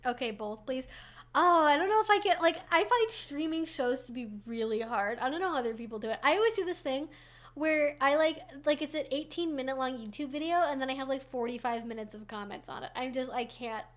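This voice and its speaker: A woman's voice: sits high, fairly quick. A young woman hosting a casual livestream Q&A, rambling and chatty, answering chat questions with lots of fillers and restarts.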